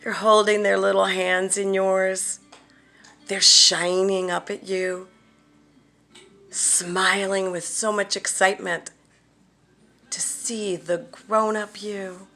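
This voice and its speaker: A woman leading a guided visualization, speaking gently and deliberately with long pauses and some softly breathed phrases. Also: mid-range voice, flat delivery, gravelly, soft background music. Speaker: guided meditation leader. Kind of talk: guided visualization, soothing meditation narration.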